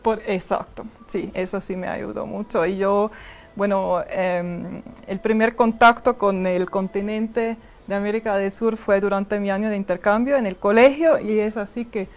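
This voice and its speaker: A woman from Switzerland, an ambassador, speaking slowly pauses. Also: medium pitch, steady tone. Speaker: ambassador guest.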